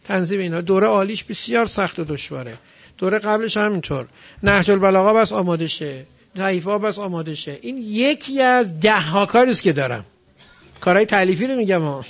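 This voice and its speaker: A man's voice: high-pitched, lively intonation, muffled recording. A man teaching a class, explaining grammar and drilling examples aloud. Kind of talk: classroom lecture.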